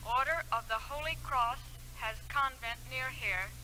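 An actress playing a businesslike cable operator who reads out messages in formal, clipped phrases through a telephone filter in a 1940s radio drama. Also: female voice, high-pitched, a little slow, heavily acted, rough recording. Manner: formal, clipped, flat dictation. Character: businesslike female telegraph operator reading out a cable. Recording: thin, hissy old radio phone voice.

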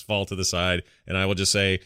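A man's voice: sits low, monotone, fairly quick, pushed and bright, clean tone, dry recording, studio quality. An American man chatting casually as co-host of a gaming podcast. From United States.

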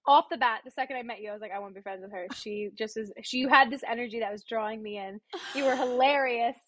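A woman's voice: a little high, quick pace, fairly bright tone, no room sound. A young woman in her twenties, a singer guesting on a podcast, chatting in a bubbly, giggly way. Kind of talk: casual chat.

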